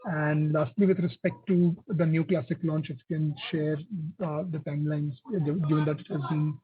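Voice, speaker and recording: A man's voice: on the high side, little pitch movement, moderate pace, husky. A man speaking as a financial analyst, asking company management his questions on an earnings conference call. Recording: phone-like conference call line.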